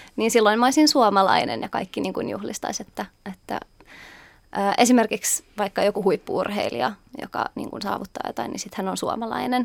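In a dry, close sound with no echo and a very clean recording with a silent background, a woman with an unremarkable speaking voice talks at a moderate pace with ordinary pitch variation. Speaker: student and youth organization chair. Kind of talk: radio panel discussion. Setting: studio.

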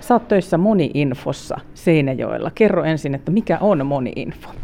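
Background music plays under speech delivered at a fairly slow pace. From Finland. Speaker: radio interviewer. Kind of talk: interview.

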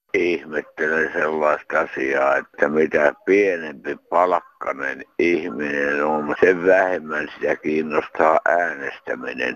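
A man with a very deep, low voice speaks at a very slow pace with hardly any pauses. His intonation is fairly even. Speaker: radio show caller. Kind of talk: phone-in comment.

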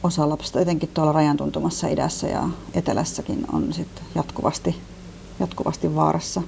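Noticeable background noise runs under the recording. A woman talks at a fairly quick pace. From Finland. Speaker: aid worker. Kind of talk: interview.

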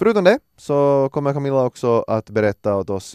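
A man talks at a fairly high pitch with lively intonation. The sound is dry and close, with no echo. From Finland, Ekenäs (Finland-Swedish). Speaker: podcast host. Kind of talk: casual interview chat.

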